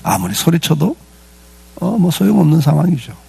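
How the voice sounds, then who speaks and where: A man's voice: a little high, sing-song, normal speed, vocal fry, warm tone, slightly rough. A man preaching a sermon as a pastor, in a conversational style full of rhetorical questions and frequent affirming asides.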